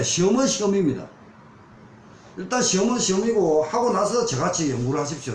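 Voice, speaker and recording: Amid noticeable background noise and audible room echo, a man talks at a fairly quick pace with a high pitch and lively intonation. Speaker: fisheries exam lecturer. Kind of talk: lecture. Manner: fast.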